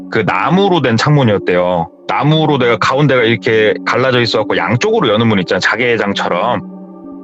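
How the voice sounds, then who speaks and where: A man's voice: mid-range voice, muffled recording. Man, horror story radio host, casual storyteller, acts out characters, faint music behind. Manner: animated, acts out the characters' lines. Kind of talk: retelling a viewer's true horror story.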